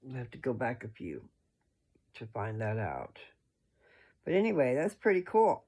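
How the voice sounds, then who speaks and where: A man with a noticeably gravelly, fry-laden voice at an average pitch. He sounds sleepy as he hosts a casual scripture chat. His delivery is homespun and meandering, and he backs up to correct himself as he goes. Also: huge pitch swings, measured pace, darkish tone. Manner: folksy, rambling, self-correcting. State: sleepy, yawning. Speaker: host reading and discussing scripture. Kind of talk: casual rambling religious commentary to followers.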